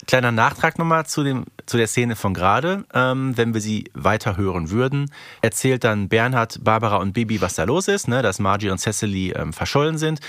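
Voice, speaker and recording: A man's voice: fairly low pitch, expressive, brisk, a bit bright, no echo, studio quality. A man co-hosting a podcast, chatting casually and wryly in colloquial speech about an audio drama. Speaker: podcast co-host.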